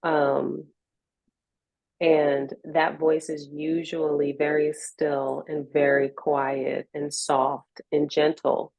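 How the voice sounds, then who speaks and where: A woman's voice: low voice, little pitch movement, slow pace, creaky, darkish tone, no echo, muffled recording. An American woman in a reflective interview conversation, speaking in an earnest, encouraging way. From Richmond, United States.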